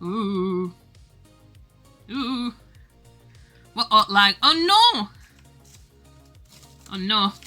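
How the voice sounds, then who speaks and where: A woman streaming casually to her viewers in a giggly, rambling, animated and teasing way as she works on art. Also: medium pitch, drawn-out words, pauses often, soft background music. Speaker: streamer drawing game art live. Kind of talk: casual livestream chat with viewers.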